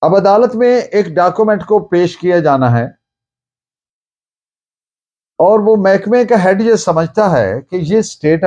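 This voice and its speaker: Casting: man with Pakistani accent as a didactic lecturer, soft-edged voice, very varied intonation, emphatic delivery. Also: a little high, dull audio. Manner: deliberate, emphatic, didactic, mixing in English phrases. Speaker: law lecturer. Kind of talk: lecture on evidence law, dictating citations.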